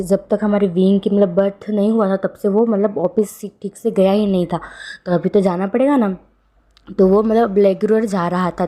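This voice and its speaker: Woman storyteller, casual and rambling, mellow voice, many self-corrections. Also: medium pitch. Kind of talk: casual fan-fiction storytelling.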